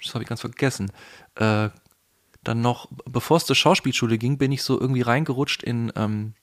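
Man, Palatinate German accent, voice actor, casual interview, thoughtful, hesitant, middle pitch. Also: a little fast. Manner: thoughtful, hesitant, many fillers. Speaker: guest, voice actor.

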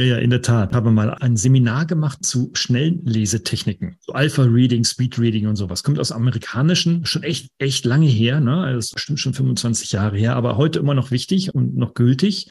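A middle-aged man talks casually, spinning anecdotes with animated energy. His voice is gravelly and heavily rough, with a raspy, husky edge throughout. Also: medium pitch, a little fast, hardly any pauses. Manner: storytelling, animated. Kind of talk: casual conversation.

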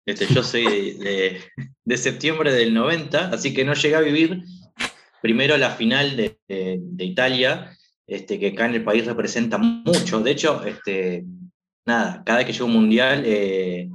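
A man in his thirties from Argentina, with an Argentine accent, talking casually as a guest and filling his pauses with "este". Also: mid-range voice, lively intonation, a bit bright, slight background noise. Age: 30s. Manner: rambling, lots of filler "este". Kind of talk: casual chat.

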